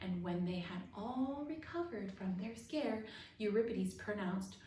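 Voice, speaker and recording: A woman's voice: mid-range voice, measured pace, dark tone. A woman narrating a children's picture book expressively as a storytime reader. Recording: roomy echo, distant mic, faint noise.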